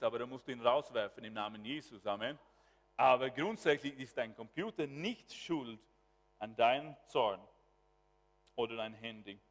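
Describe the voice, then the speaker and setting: A man preaching a sermon as pastor, swinging from quiet asides to loud exclamations. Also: medium pitch. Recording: long hall reverb.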